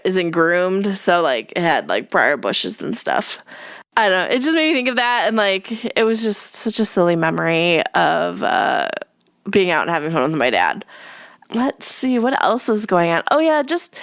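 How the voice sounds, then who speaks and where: A young woman hosts her podcast in a rambling, friendly chat full of "like"s and asides. Her voice is smooth and clear but a touch stuffy from allergies. The recording is close and dry, with no room sound. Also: lowish voice, fairly bright tone, dry recording. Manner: rambling, filler-heavy, friendly. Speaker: podcast host. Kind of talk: casual chatty podcast talk.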